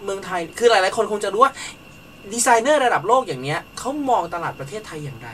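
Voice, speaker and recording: A man with a bright, forward voice tells a story in an easygoing, conversational way, often pausing on fillers. He sounds a little off-mic, with a faint hiss under the recording. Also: high voice, big pitch swings, far from the mic. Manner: chatty storyteller with frequent hesitation fillers. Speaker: car show host. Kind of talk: conversational recap on a talk show.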